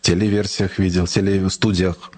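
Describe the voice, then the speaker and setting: A man's voice: deep voice, level tone, moderate pace, a little mellow. A man hosting a podcast interview, asking probing questions with a joking edge. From Israel. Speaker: podcast host. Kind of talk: casual interview.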